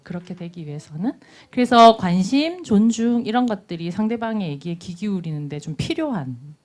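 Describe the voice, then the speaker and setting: A middle-aged woman teaching nonviolent communication to a class, lively and often acting out everyday dialogues. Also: mid-range voice. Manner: lively, acts out everyday dialogues in little voices. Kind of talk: lecture to a class. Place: lecture room.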